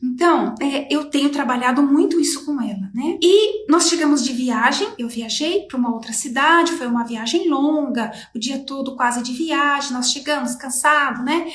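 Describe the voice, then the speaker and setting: A middle-aged woman with a Brazilian Portuguese accent, earnestly giving repetitive, gently instructive parenting advice to camera. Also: high-pitched, moderate pace, few pauses. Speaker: parenting mentor to mothers of autistic children. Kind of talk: casual advice monologue to camera. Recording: echoey room with faint background noise.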